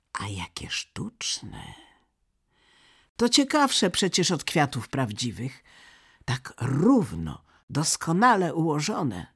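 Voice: mid-range voice, husky, heavily acted. A storyteller voicing a young boy who has turned cold, mocking and scornful, in a storybook reading. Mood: fascinated. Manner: sneering, loud, scornful.

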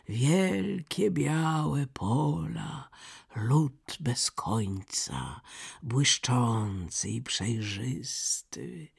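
A storyteller voicing a reindeer from the far north, speaking slowly and half whispering in a husky voice. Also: medium pitch, exaggerated voice. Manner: slow, hushed, dreamy.

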